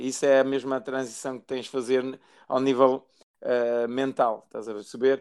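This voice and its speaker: Speaking in a monotone, flat intonation, a man with a medium pitch keeps a moderate pace in a very clean recording with a silent background. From France (Portuguese-born, raised in France from age 3). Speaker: basketball assistant coach. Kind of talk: interview. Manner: halting, many fillers and repetitions.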